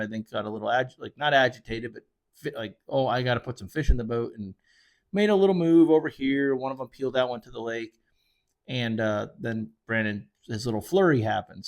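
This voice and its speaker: Gravelly and mid-range, this man's voice carries casual solo commentary through a desk mic. He's a fishing charter guide who hosts a show. His talk meanders, with frequent fillers and self-corrections.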